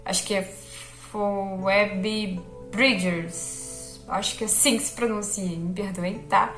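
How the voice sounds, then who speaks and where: A woman's voice: medium pitch, steady tone, a little fast, a bit bright, reverberant, faint music behind. A young woman chatting casually about a film she liked, chatty and self-deprecating, often checking in with her viewers. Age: young adult. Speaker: film vlogger.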